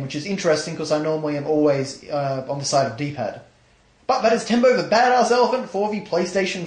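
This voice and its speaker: Hoarse young man narrating gameplay. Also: fairly high pitch, roomy sound, a little hiss or hum, low-quality recording. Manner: rambling, many fillers and restarts. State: hoarse, tired voice. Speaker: let's play host. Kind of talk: casual gameplay commentary. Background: game music.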